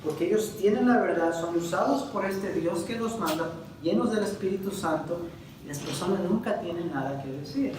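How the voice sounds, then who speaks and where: A man's voice: a little high, a little hiss or hum. Emphatic Puerto Rican man preaching in an echoey room. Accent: Puerto Rican Spanish. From Puerto Rico. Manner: emphatic, swings between loud stresses and slow drawn-out words; addresses the audience directly with questions. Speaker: Bible teacher. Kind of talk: Bible class lecture, preaching style. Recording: very echoey, distant room recording.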